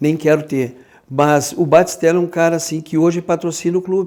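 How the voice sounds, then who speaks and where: Fairly high for a man, his voice has a dark, mellow tone and fairly even intonation, moving at a fairly quick pace. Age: 60s. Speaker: football club president. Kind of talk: interview. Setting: football stadium. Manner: halting, many fillers.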